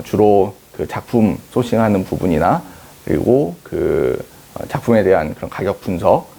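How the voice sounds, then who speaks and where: A man in his thirties, a company head, answering interview questions in a measured, explaining way with frequent hesitation fillers. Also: on the low side, vocal fry, mellow. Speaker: company CEO interviewed on art investment.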